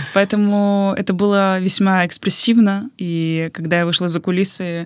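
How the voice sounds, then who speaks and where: The woman's pitch is medium and her intonation monotone and flat, at a moderate pace. The recording is very clean, with a silent background. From Russia, Penza. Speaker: opera singer. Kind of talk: interview. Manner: formal.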